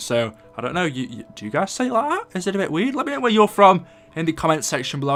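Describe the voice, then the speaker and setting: With music in the background, a man with a Staffordshire accent speaks at a very fast pace, his pitch swinging very widely. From Staffordshire, England. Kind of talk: casual, chatty.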